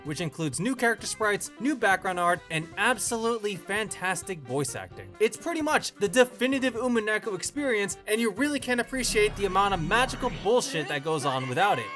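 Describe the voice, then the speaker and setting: Guy doing a scripted review voiceover, high voice thats really animated and emphatic, bit of music behind. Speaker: visual novel reviewer. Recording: voice-over with music underneath. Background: background music.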